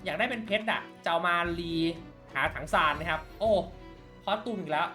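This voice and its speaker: A man giving casual commentary while redeeming codes in a mobile game, chatting along and thinking aloud with quick excited exclamations. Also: a little high, faint music behind. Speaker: mobile game channel host.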